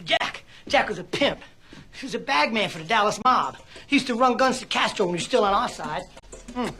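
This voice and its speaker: An actor playing a paranoid, disgraced middle-aged former priest and spy, profane and rambling, in film audio with music. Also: male voice, sits high, animated, fairly quick, heavily acted. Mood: nervous. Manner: profane, rambling, panicky outbursts. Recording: film audio with loud score.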